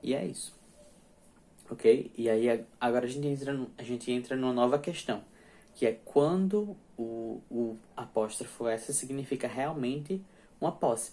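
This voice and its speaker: A young man explaining grammar in a loose, conversational lesson. He restarts his sentences often and keeps checking in with his students as he goes. His pitch sits in a middle range for a man. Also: darkish tone. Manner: chatty, many restarts and checks like "ok?" and "tá?". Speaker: English teacher. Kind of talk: casual spoken grammar lesson.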